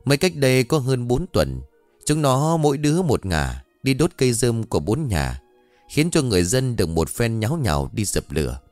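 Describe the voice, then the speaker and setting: A man narrating a scripted ghost story in an expressive storytelling manner. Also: medium pitch, moderate pace, no room sound. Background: faint background music.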